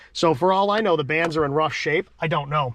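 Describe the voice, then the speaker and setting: A man speaks loudly and at a fairly quick pace. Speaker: amateur radio hobbyist. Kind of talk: casual vlog commentary. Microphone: close to camera mic, loud.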